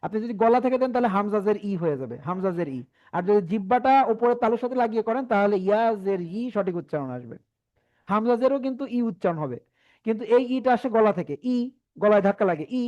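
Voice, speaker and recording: A man teaching a Quran reading class, patiently saying each letter sound slowly and having the class repeat after him. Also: high voice, lively intonation. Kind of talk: online class lesson. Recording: dull lo-fi.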